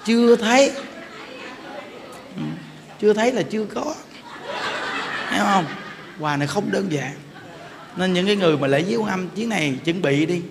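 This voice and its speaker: A man's voice: high voice, expressive, moderate pace, gravelly, long pauses, a crowd in the background. A middle-aged man, a Buddhist monk giving an informal sermon and telling stories. He keeps turning to the audience with questions. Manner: chatty storyteller, often laughs and asks the audience "hiểu không?". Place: temple hall. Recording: reverberant hall with faint background noise.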